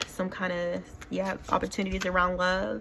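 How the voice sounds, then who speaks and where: A woman speaks over noticeable background noise. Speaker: tarot card reader. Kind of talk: tarot reading to camera. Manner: stutters and repeats words during readings; casual, informal.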